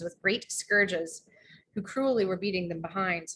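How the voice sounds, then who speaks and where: Fairly even intonation from a woman, her voice somewhat breathy. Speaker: amateur poetry reader. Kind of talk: poetry reading. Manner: some stumbles over words.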